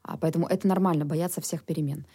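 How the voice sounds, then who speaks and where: A woman's voice: deep voice, steady tone, fast, warm tone, husky. A woman whose first language is Ukrainian, answering interview questions in an earnest, explanatory way. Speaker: government official, guest.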